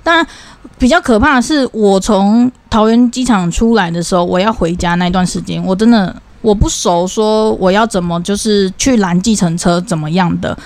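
A man's voice: high-pitched, normal speed, no room sound. A man, co-hosting a casual podcast chat and telling stories animatedly, acting out the quoted dialogue. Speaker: podcast co-host.

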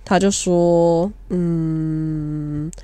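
A young woman with a Taiwanese Mandarin accent, a podcast co-host telling a frank dating story in casual, animated chat. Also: low voice, very slow, clear, resonant tone, no room sound.

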